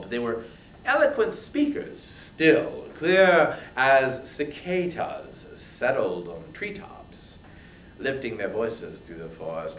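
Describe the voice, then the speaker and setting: A man giving a theatrical, declamatory narration of ancient epic poetry, with dramatic pauses and swells. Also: medium pitch, fairly bright tone. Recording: roomy echo, distant mic, faint noise.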